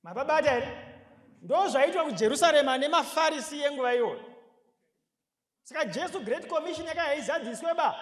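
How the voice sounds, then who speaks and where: Zimbabwean male preacher, 30s, very high voice, animated and emphatic, podium mic, reverberant hall. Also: fairly quick, pauses often. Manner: animated, rising to emphatic shouts, asks the crowd questions. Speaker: pastor. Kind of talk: sermon mixing Shona and English. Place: large hall with seated congregation. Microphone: podium microphone.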